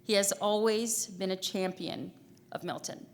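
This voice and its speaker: Woman presenter, medium pitch, formal tribute speech, live event, faint background noise. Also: steady tone, measured pace. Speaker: ceremony presenter.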